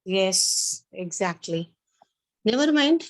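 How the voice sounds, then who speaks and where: A woman's voice: medium pitch, animated, slow pace. A woman teacher with a South Asian accent counselling her students in an earnest, motherly, admonishing way, repeating herself and slipping Hindi phrases into English. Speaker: biology teacher addressing an online or classroom class.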